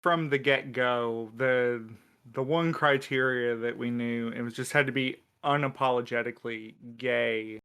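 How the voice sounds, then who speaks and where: A man with a clean, resonant, mid-pitched voice chats casually on a podcast. His delivery is dry and self-deprecating. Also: steady tone, a little slow, fairly bright tone, clear, resonant tone. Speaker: podcast crew member. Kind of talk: casual chat.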